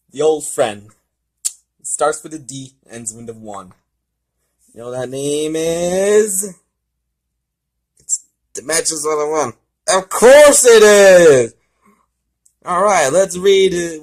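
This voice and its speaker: A man doing an amateur read-aloud of a story with casual side comments, in a halting way that stumbles over words. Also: fairly high pitch. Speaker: fan fiction reader and commentator.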